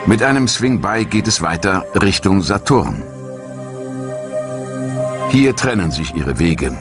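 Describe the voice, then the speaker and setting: A man giving calm, measured, scripted narration for a science documentary. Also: low voice. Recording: studio narration over loud music.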